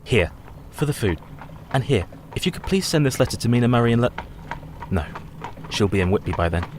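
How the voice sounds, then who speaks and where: Courteous, uneasy young English traveler in a radio play, acted by a man, mid-pitched and expressive. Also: a little fast, a little hiss or hum, close to an everyday voice. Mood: polite. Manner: polite, proper, increasingly nervous.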